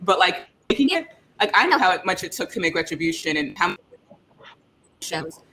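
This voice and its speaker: A young woman on a casual panel, talking in a scattered, halting way and often breaking off mid-phrase. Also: fairly low pitch, big pitch swings, bright, forceful tone, breathy edge. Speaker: audio drama creator and panelist. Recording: faint background noise and room ambience.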